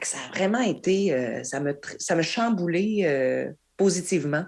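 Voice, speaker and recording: A woman with a Lac-Saint-Jean accent speaks fairly slowly at a fairly low pitch, with lively intonation and big swings in loudness. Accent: Lac-Saint-Jean Quebec French. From Quebec, Lac-Saint-Jean. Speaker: actress. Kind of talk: casual interview chat.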